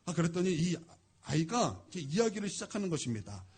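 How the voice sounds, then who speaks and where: Korean pastor guy telling a sermon story, kinda high voice, husky, acts out the quotes. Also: a little fast. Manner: animated, acts out quoted dialogue. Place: church sanctuary.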